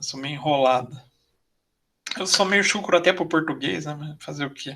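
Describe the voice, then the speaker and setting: A man speaks in a bright, sharp tone at a fairly high pitch, with vocal fry. His pace is moderate and his pitch variation ordinary. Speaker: teacher. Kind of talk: lecture. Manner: casual, joking.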